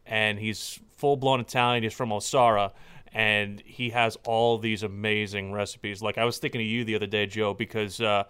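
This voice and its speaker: A man's voice: on the low side, flat delivery, normal speed, a bit bright, clean tone. A man hosting a casual podcast, talking in long rambling runs with many fillers and restarts. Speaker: podcast host.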